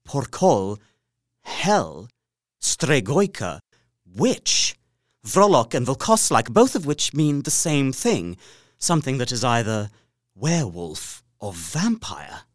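An actor playing an earnest, uneasy gentleman traveller, narrating his journal in a deliberate, literary gothic drama style. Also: medium pitch, no echo, studio quality. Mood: grave, uneasy. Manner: literary, deliberate, expressive storytelling.

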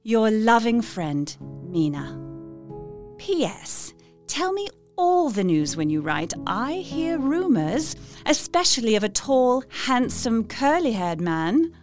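A woman's voice: fairly high pitch, big pitch swings, slow, a little mellow. An actress playing an eager, affectionate young Victorian woman, earnestly voicing her letter in an audio drama. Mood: teasing. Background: music under the voice.

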